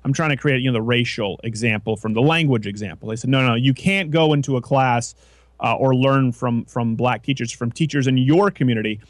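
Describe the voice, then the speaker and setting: A man's voice: mid-range voice, a little fast, dry recording. A man hosting a talk show, explaining his views in long, rambling, opinionated stretches with frequent restarts. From Canada. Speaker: host. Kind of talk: casual radio talk show chat.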